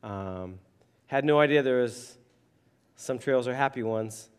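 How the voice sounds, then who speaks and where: A man with a hoarse, froggy voice preaches in a relaxed, rambling way, full of ums and asides. His voice is of ordinary pitch for a man. The sound carries a long reverb, as in a church hall. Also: a little slow. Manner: rambling, conversational, many fillers. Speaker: pastor. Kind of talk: casual sermon.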